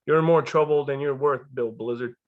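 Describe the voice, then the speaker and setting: A man's voice: medium pitch, steady tone, fairly quick, phone-quality sound, close to an everyday voice. A man reading the part of a hostile, sour small-town miner in a drama, surly and accusing. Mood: surly, irritated. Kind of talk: screenplay table read.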